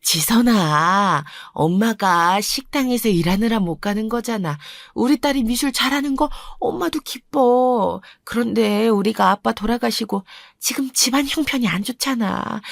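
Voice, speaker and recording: Brief: weary widowed mother, soft and hesitant, dry close voice, read by a woman. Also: fairly high pitch, gravelly, no room sound. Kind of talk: radio story drama.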